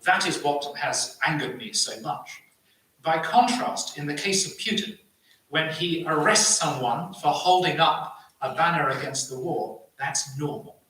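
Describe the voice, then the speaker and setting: Echoey, forceful man on a debate panel. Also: a little high, a little slow. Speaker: panel speaker. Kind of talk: impassioned debate argument. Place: live panel event in an echoey room. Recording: very echoey room, distant microphone.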